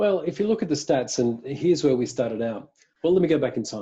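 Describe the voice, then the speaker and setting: A man with a dark, mellow tone and vocal fry speaks at a fairly quick pace in a fairly high pitch, his pitch swinging very widely. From Australia (Sydney). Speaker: startup founder and CEO. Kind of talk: interview.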